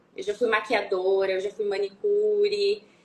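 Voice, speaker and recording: Noticeable background noise behind speech with very wide pitch swings. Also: woman. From interior of São Paulo state, Brazil (Fernandópolis). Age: 30s. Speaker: aesthetician. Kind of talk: interview. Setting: Instagram live.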